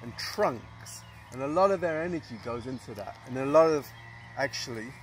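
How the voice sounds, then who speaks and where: A man talks at a fairly slow pace with a somewhat breathy voice and lively intonation. The sound is dry with no echo, over light background noise. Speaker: nature educator. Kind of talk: educational nature talk. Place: open country.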